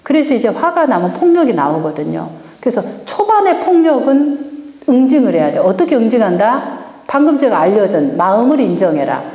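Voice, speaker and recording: A woman's voice: on the high side, very animated, fairly quick, mellow. A middle-aged woman giving a lecture on family communication, questioning the audience and acting out sample lines. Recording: echoey hall with long reverb.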